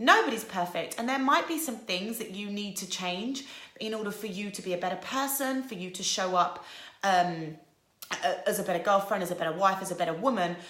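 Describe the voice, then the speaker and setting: A woman talks at a fairly quick pace in a medium pitch, with ordinary pitch variation. Her loudness swings widely, and room echo is audible. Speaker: relationship advice vlogger. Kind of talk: vlog advice monologue.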